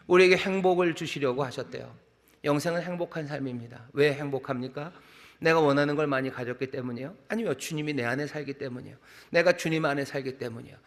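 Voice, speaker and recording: The sermon comes from a middle-aged senior pastor whose voice is mid-range and a bit bright. Speaking conversationally, he leans on rhythmic repetition and rhetorical questions, and his words echo with the long reverb of a large sanctuary.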